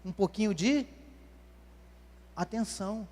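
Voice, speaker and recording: A man's voice: high-pitched, takes it slowly, a little mellow. A man, preaching a sermon and questioning the congregation as "dear ones". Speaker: pastor. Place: church hall. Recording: long church hall reverb.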